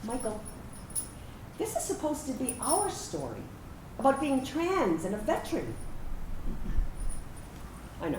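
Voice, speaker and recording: A woman's voice: medium pitch, darkish tone, lightly acted. A woman acting in a staged reading as a trans veteran and their inner self, reminiscing conversationally, wounded yet playful. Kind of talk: staged reading of a personal narrative play. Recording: roomy, distant microphone, faint background noise.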